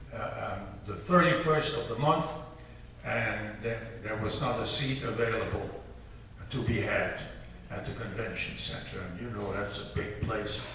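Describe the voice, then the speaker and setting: With strong room echo and light background noise, a man speaks at a fairly slow pace with lively intonation and long, frequent pauses. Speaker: concert narrator. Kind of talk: anecdotal stage narration. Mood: warm, smiling. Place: stage.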